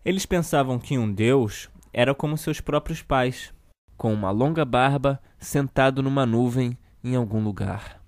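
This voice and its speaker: A man's voice: mid-range voice, a little slow, darkish tone, no room sound, studio quality, close to an everyday voice. Theatrical Brazilian kids' show storyteller uncle played by a man. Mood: storytelling. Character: children's TV show host uncle reading a satirical storybook.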